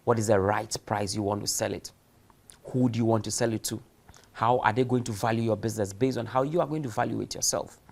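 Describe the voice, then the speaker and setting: A man's voice: lowish voice, quick pace, gravelly. A man giving a recorded university lecture, speaking emphatically and posing rhetorical questions. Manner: emphatic, uses rhetorical questions and acted-out examples. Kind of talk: recorded distance-learning lecture.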